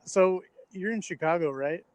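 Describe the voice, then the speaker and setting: A man's voice: high voice, moderate pace, no echo. A young American man in his twenties from Florida, hosting a casual podcast chat and interviewing a guest. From Florida, United States.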